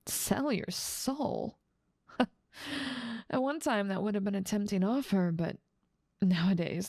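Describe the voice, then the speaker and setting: Woman voicing female demon ruler, imperious, amused, theatrical, slightly creaky, very dry close sound, ASMR roleplay. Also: mid-range voice, dark tone, no echo. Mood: haughty, dismissive. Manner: dominant, amused, mocking, theatrical. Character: haughty, teasing female demon lord ruling part of hell. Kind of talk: scripted ASMR roleplay addressed to the listener.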